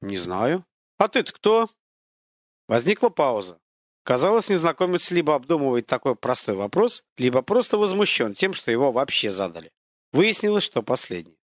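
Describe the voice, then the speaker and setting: A man narrating an audiobook in an expressive, dramatic storytelling manner. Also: mid-range voice, brisk, no room sound, studio quality.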